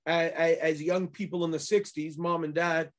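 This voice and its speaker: A man's voice: a little high, flat delivery, moderate pace. A man in his forties from Canada, a musician guest telling stories and joking in a casual interview. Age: 40s. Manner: joking, storytelling.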